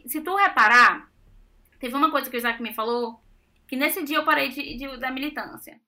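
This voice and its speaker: A young Brazilian woman chatting casually, telling stories with animated, self-mocking exclamations. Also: high voice, normal speed. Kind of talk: casual chat.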